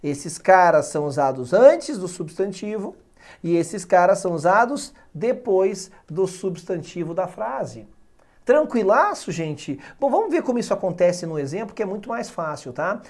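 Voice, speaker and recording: A man with a Brazilian Portuguese accent teaching English grammar in an exam-prep video lesson, animated and emphatic, checking in with students every few words. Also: high voice, moderate pace.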